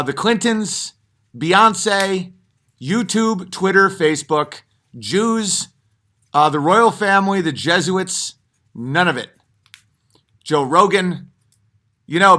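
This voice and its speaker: A man with a bright, forceful, slightly high voice rambles through an off-the-cuff monologue on his own stream. He digresses constantly, stacking fillers and restarts, and breaks into animated mock voices for punchlines.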